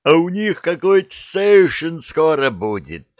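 A man's voice: fairly high pitch, very animated, slow, no room sound, highs cut off, pitched above the performer's own voice. A man doing a drawling silly dragon head. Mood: playful. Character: cheerful silly dragon head, male, playful.

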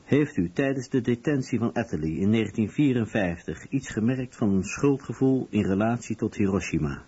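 A man's voice: on the low side, expressive, normal speed, mellow, breathy edge. A man reading translated testimony as a scripted documentary voice-over. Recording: dull lo-fi radio recording.

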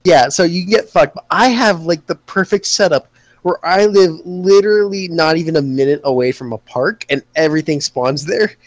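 Excitable, foul-mouthed young man. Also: a little high, normal speed, dry recording. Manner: swears freely, excitable rambling. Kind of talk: casual chat.

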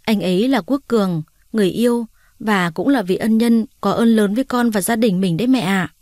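A tearful young woman comes home after years away, voiced by a female narrator. She speaks in a pleading, emotional voice at a middling pitch. The sound is dry and close. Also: brisk, a little mellow, dry recording, close to an everyday voice.

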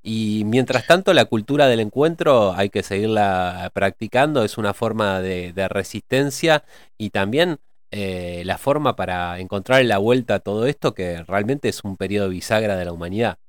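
A man in a reflective cultural discussion, pausing often with hesitations as he thinks aloud. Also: lowish voice, expressive, no echo, studio quality. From Argentina.

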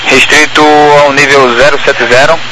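A man's voice: mid-range voice, little pitch movement, normal speed. A man with a Brazilian accent speaking clipped tower control phraseology over a crackly two-way radio. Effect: crackly two-way aviation radio. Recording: crackly, noisy air traffic radio.

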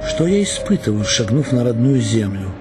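A man reading the lines of a weary middle-aged man returning home, quiet and muffled. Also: mid-range voice, sing-song, normal speed, in a large hall, over music, lightly acted. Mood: musing.

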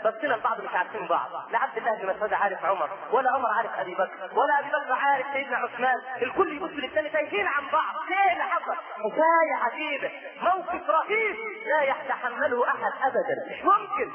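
A high-pitched man with an Egyptian accent delivers a sermon with great feeling, drawing out quoted lines slowly and then rising almost to a shout. He is far from the mic in a big, echoing hall, and the sound is thin and phone-like. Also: expressive, crowd noise. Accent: Egyptian Arabic. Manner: impassioned, rising to near-shouting peaks; slow, drawn-out chanting of quoted lines. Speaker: preacher. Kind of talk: emotional sermon storytelling.

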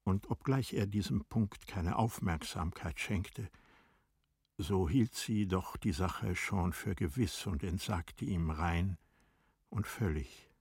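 A man narrating a German literary radio play in a measured, sober, formal manner. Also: low-pitched, vocal fry, a little mellow, husky, dry recording, studio quality.

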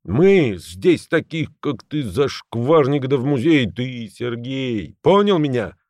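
A man reading an audiobook, voicing a domineering heavyset middle-aged woman who runs a restaurant and shouts and threatens. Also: mid-range voice, big pitch swings, slow pace, no room sound, studio quality, voice pushed up. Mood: bossy shouting. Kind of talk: audiobook character voice.

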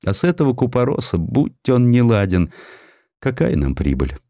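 A man's voice: medium pitch, very animated, moderate pace, gravelly, dark tone, no echo, studio quality, pitched above the performer's own voice. A man voicing an affectionate, fretful old father in an audiobook, plaintive and drawing out his words. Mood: plaintive grumbling. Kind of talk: acted dialogue within audiobook narration.

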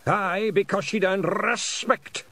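A man voicing a gruff ninety-six-year-old Scottish piper with a thick Scottish accent, scolding bluntly in an audiobook. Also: high voice, steady tone, slow pace, sharp tone, pitched above the performer's own voice, heavily acted. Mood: stern. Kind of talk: audiobook character voice.

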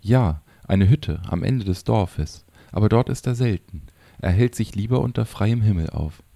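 A man's voice: fairly low pitch, animated, moderate pace, creaky, mellow, no room sound. A man voicing a talkative elderly village woman in an audiobook, in a chatty and admiring tone. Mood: fond.

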